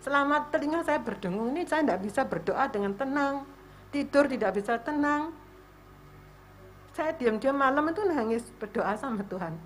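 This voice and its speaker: A woman's voice: high voice, expressive, normal speed, slight background noise. A woman in her seventies with an East Javanese accent, giving a personal testimony at a worship service and acting out her prayers as she tells the story. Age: 70s. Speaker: church member giving testimony.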